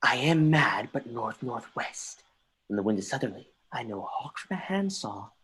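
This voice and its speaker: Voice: mid-range voice, sing-song, normal speed, a bit bright, slightly rough, full character voice. An actor reading a melancholy, theatrical young prince. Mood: sly, mock-courteous. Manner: theatrical, declamatory, with occasional stumbles. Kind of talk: dramatic reading of Shakespeare. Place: remote livestream from home.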